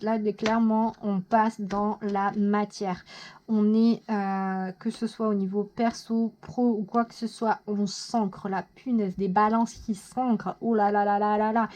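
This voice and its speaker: A woman giving a casual monthly tarot horoscope reading, chatty, excitable and quick to poke fun at herself. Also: a little high. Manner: chatty, self-mocking, excitable. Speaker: tarot reader.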